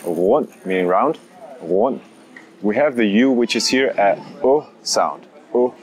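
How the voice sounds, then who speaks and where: A man in his forties, a native Danish speaker, teaching pronunciation slowly and carefully, recorded outdoors on city streets with a lapel mic. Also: on the low side, animated, background noise. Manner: slow, exaggerated demonstration of sounds. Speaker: language teacher. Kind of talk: pronunciation lesson vlog.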